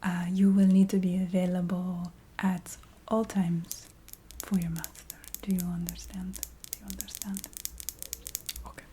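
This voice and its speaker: A woman voicing a chatty, businesslike vampire recruiter in a soft whispered ASMR roleplay. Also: on the low side, flat delivery, measured pace, a little hiss or hum, lightly acted. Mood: businesslike, matter-of-fact. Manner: hesitant, matter-of-fact, checking in with the listener.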